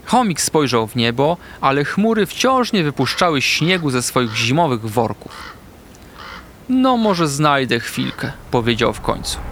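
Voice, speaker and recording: A man narrating a children's fairy tale in an expressive storytelling manner. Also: mid-range voice, normal speed, few pauses, a little hiss or hum.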